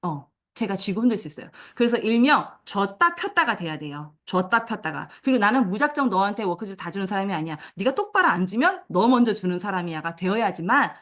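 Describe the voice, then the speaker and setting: Lively fast-talking woman lecturing teachers. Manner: animated, acts out classroom commands in a high sing-song teacher voice. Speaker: teacher trainer.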